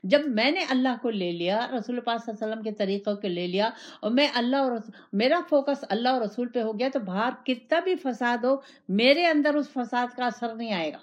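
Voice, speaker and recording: A woman giving an Islamic sermon, repeating phrases and asking rhetorical questions in the first person. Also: a little high. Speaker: religious teacher. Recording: dull lo-fi recording.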